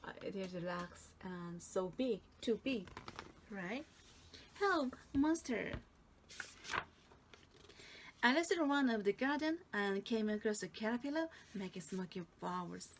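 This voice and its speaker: A woman's voice: mid-range voice, animated, normal speed, slight background noise. A woman with a Korean accent, a native Korean speaker, playfully reading a fairy tale aloud and adding asides for learners. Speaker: storytelling teacher.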